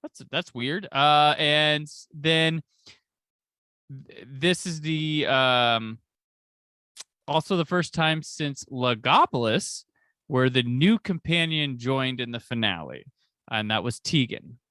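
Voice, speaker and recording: A man's voice: mid-range voice, slow pace, bright, forceful tone, no echo, clean studio sound. A man hosting a podcast in casual chat, recapping an episode with enthusiasm and jokey asides into a podcast microphone. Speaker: podcast host.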